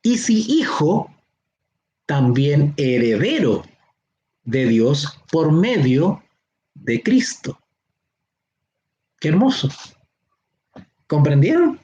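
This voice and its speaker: A man with a Chilean accent teaching a Bible seminar online. He explains slowly, stretches key words and keeps checking that his listeners follow. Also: a little high, big pitch swings, dark tone, dull audio. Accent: Chilean Spanish. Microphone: online class or teleconference.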